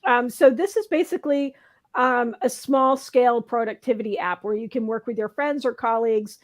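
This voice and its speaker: A woman hosts a casual panel chat with a slightly hoarse, somewhat high voice. She is chatty and laughs often. She keeps throwing rhetorical questions out to the panel. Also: normal speed. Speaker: talk show host.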